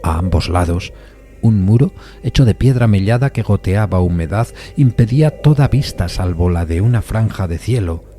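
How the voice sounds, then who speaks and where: Very deep-voiced man narrating a suspense tale. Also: expressive, dark tone, soft background music. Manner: measured, literary storytelling. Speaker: narrator of an audio fiction adaptation. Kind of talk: scripted dramatic narration of a classic suspense tale.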